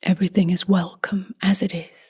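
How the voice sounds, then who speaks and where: A woman speaking softly and gently in a near-whisper as she guides a meditation, unhurried, with long pauses. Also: lowish voice, little pitch movement. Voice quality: soft, breathy, near-whispered. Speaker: meditation teacher.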